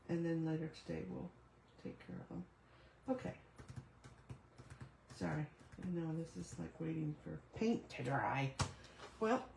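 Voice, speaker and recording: A middle-aged woman with a raspy voice, recovering from a cough, chatting casually through a live paper craft demo and apologizing for her computer trouble. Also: fairly low pitch, mellow. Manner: chatty, apologetic, thinking aloud over tech trouble. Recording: echoey room with faint noise.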